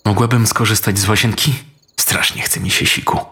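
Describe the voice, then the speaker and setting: A man's voice: on the low side, steady tone, normal speed, sharp tone. A man voicing a young woman in a horror story, bewildered and scolding her boyfriend. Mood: sheepish. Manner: pleading, disapproving.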